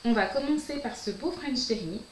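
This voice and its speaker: A woman's voice: fairly high pitch, expressive, normal speed, roomy sound, slight background noise, poor audio. A woman hosting a casual fabric unboxing vlog from home, chatty and enthusiastic, often saying how delighted she is. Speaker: sewing vlogger and host. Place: at home, filming at night.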